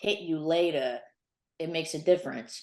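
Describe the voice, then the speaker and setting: A woman speaks at a moderate pace in a fairly low pitch. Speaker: makeup content creator. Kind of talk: casual chat.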